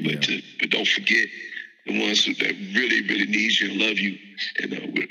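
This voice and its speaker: A man with an American accent speaks at a fairly quick pace against noticeable background noise. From US South. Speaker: poet and musician. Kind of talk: interview. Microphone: poor audio quality.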